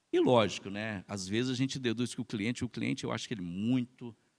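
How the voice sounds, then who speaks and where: This man speaks at a medium pitch with a Minas Gerais accent and ordinary pitch variation, at a moderate pace. It is a very clean recording, silent background. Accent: Minas Gerais accent, noticeable. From Minas Gerais, Brazil. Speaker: fraud prevention specialist, panelist. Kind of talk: panel discussion.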